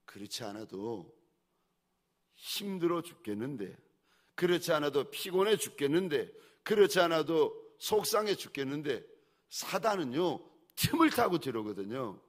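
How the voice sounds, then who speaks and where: A man preaching a sermon as a pastor, swinging between hushed pleading and loud exhortation, with repeated rhetorical questions to the congregation. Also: fairly high pitch, sing-song, moderate pace.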